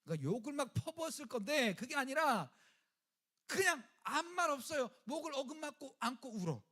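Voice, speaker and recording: A male pastor delivers a sermon in a high, lively voice that leaps up and down. He talks in an everyday way, acts out the quoted lines with swings in loudness, and jokes with his congregation. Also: moderate pace.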